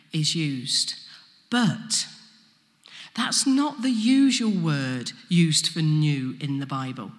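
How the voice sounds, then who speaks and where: Flat-vowelled East Midlands woman preaching. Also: lowish voice. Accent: East Midlands English, Leicestershire. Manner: deliberate, explanatory, emphasising key words. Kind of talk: sermon. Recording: long reverberant hall echo.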